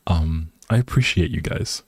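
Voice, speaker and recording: A man's voice: sits low, moderate pace, dry recording, clean studio sound. A man hosting a casual livestream, chatting to viewers in a hesitant, rambling, appreciative way. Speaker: live streamer, host.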